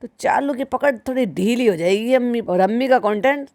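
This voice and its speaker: A woman's voice: a little high, moderate pace, a little mellow. Sarcastic, scolding woman reaction commentator. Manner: sarcastic, scolding, mimics the people she mocks; keeps addressing the listener as "bhai sahab".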